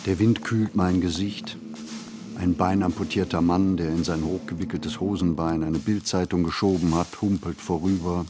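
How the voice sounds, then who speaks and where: A male actor playing a brooding, observant city wanderer in a literary radio play, speaking in measured, deliberate phrases. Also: sits low, darkish tone, a little hiss or hum. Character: brooding, observant male city flaneur narrating his thoughts.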